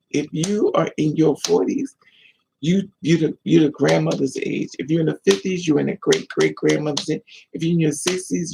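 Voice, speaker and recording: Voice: medium pitch, vocal fry, background noise. A man with an American accent chatting casually and candidly to livestream viewers in a sassy, storytelling manner. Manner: candid, sassy, animated storytelling with mocking quotes. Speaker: livestream host.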